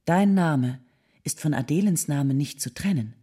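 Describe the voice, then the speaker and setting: An earnest nineteenth-century lady reading her letter aloud. The voice is husky and dark, on the low side, and she speaks formally and with tactful persuasion. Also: animated, moderate pace. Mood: gently insistent. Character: Ottilie von Goethe, earnest, tactful 19th-century lady writing condolences.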